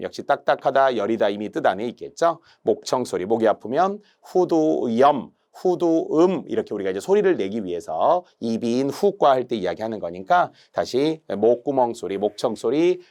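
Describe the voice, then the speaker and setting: A man's voice: mid-range voice, a little mellow. A middle-aged man, a language instructor, giving an emphatic exam-prep lecture and stretching out his examples.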